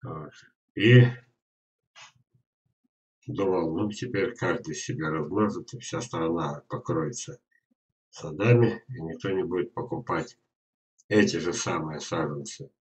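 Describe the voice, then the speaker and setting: An older man giving an informal instructional webinar talk, speaking haltingly with drawn-out words and pauses. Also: sits low, poor audio. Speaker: gardener presenting an online lesson. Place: indoors in a small dim room at a computer.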